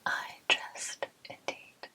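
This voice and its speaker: A woman whispering softly as she hosts an ASMR poetry reading and adds playful, old-fashioned quips. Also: extremely slow. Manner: soft unvoiced whisper, playful archaic quips.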